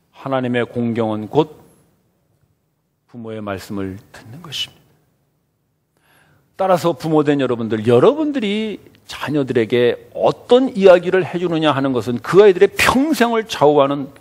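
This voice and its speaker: A man preaching a Sunday sermon as pastor, asking his congregation questions and answering them, dropping to near-whispers and rising to shouts. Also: a little high, long reverb tail. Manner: swings from soft near-whispers to loud shouted exclamations. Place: church sanctuary.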